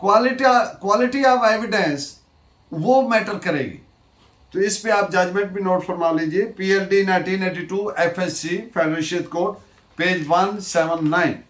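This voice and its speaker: A high-pitched male lecturer with a Pakistani accent speaks extremely slowly and deliberately. He teaches in a didactic manner, stressing points by repetition. The recording is roomy and echoey. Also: a bit bright. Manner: deliberate, didactic, repeats key phrases. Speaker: law lecturer. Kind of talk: lecture on legal principles, mixing Urdu and English.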